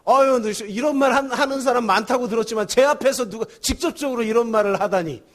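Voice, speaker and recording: A man's voice: extremely high pitch, quick pace. A male pastor giving a Sunday sermon, telling a story with chuckles and building to emphatic preaching. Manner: storytelling with chuckles and acted quotes.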